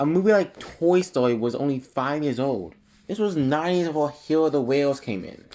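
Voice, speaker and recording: Speaking at a fairly quick pace, the man has a fairly high voice and lively intonation. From Canada. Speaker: video creator. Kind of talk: casual video commentary. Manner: halting.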